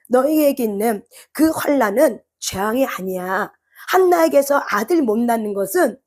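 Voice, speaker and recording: A woman preacher giving an impassioned sermon. She keeps asking the congregation questions, and her voice climbs into shouted cries. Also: medium pitch. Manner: impassioned, rises to shouted cries when voicing prayer; asks the congregation rhetorical questions.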